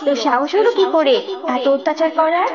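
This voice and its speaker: Cartoon fairy: woman playing high, commanding protector, emphatic delivery, lo-fi audio with music beneath. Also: animated, fairly quick, a crowd in the background. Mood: stern, threatening. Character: stern protective fairy, threatening wrongdoers, gentle to children. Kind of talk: children's cartoon story voice acting. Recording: dull lo-fi audio over music.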